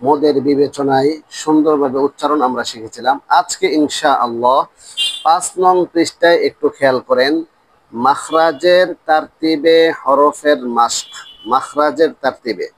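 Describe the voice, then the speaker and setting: A man teaching a Quran pronunciation class, slowly repeating letter sounds for his students. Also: a little high, poor audio. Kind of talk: religious lesson on Arabic letter pronunciation.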